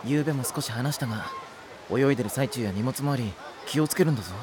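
A man's voice: medium pitch, fast, background noise, natural voice. An actor playing a serious, protective young man in an anime audio drama. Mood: concerned, calm. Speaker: lifeguard.

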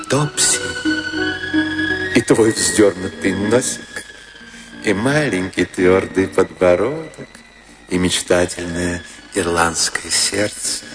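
An actor playing a fervent, idealistic male artist in a radio play, theatrical and declamatory, savouring his words. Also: sits low. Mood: adoring. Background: music behind the voice.

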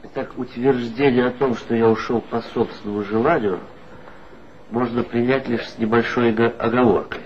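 An actor playing a guarded former reporter who answers in a measured, reflective way in a 1960s radio play. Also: male voice, medium pitch, steady tone, slight background noise, lightly acted. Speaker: former reporter being questioned. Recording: dull lo-fi old radio play recording.

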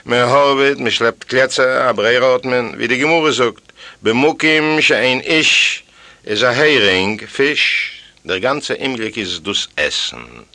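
A man's voice: medium pitch, dry recording. A man reading a first-person tale aloud as an audiobook, telling it with sighs and exclamations. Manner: animated storytelling with sighs and exclamations. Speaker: audiobook reader.

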